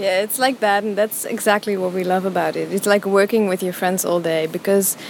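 A woman with a Dutch accent at a medium pitch and fairly quick pace, over noticeable background noise. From Netherlands. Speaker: translator. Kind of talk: casual chat.

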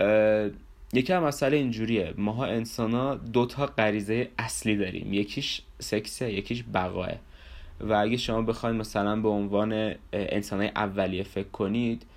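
The clip has a normal speaking voice at a moderate pace against a quiet background. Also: man, fairly low pitch for a man. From Iran. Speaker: podcast host. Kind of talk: casual monologue.

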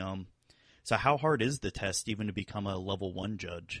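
Recorded dry and close, with no echo, a man is heard speaking. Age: 20s. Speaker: podcast host. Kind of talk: casual interview. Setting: online voice call.

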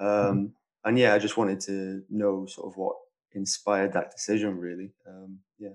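A man in a Welsh accent, fairly low in pitch, monotone and flat in intonation, at a moderate pace. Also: big swings in loudness. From Wales. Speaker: podcast host, trade journalist. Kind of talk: interview.

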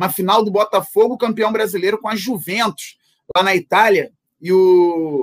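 In a dry, close sound with no echo, a man talks in a high pitch with fairly even intonation. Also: moderate pace. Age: 30s. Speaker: sports journalist. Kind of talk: casual chat.

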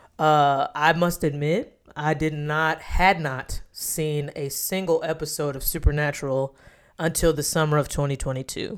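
A woman speaks at a fairly slow pace with a very deep, low pitch. The recording is very clean, with a silent background. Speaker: psychologist podcast host. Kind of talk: solo podcast monologue. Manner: animated, enthusiastic.

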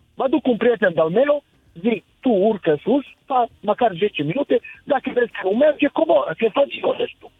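With music in the background, a man talks at an extremely high pitch. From Italy. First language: Italian (speaking Romanian). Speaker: stand-up comedian. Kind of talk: anecdote on call-in. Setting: phone call.

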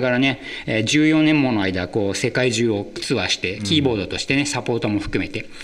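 There is noticeable background noise as a man talks at a very fast pace. His pitch moves in an ordinary way. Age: 50s. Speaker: podcast host, music expert. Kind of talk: casual chat.

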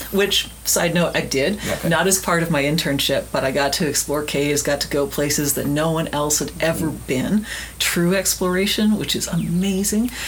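A woman's fairly low-pitched voice with an American accent, very even loudness and hardly any pauses, over noticeable background noise. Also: ordinary pitch variation, moderate pace. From Miami, Florida. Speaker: park ranger. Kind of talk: interview.

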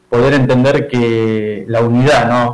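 Over music in the background, a man with a medium pitch talks at a very slow pace with fairly even intonation. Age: 20s. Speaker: poet. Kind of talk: interview.

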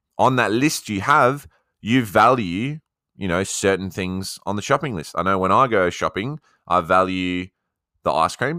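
A man with an Australian accent, fairly low in pitch, bright and sharp in tone, animated, with lively intonation at a moderate pace, dry, close sound with no echo, very clean recording with a silent background. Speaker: podcaster. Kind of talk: casual solo podcast monologue. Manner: rambling, informal, filler words; animated, humorous, profane.

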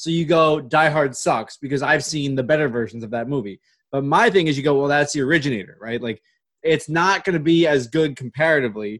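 An ordinary speaking voice with an American accent moves at a fairly quick pace with ordinary pitch variation over a quiet background. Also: man, fairly high pitch for a man. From United States (Irish American). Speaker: comedian and podcast co-host. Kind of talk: casual chat.

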